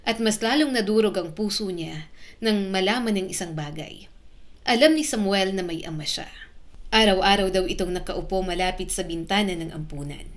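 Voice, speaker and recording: Woman storyteller, dramatic, emotional, measured pauses. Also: medium pitch.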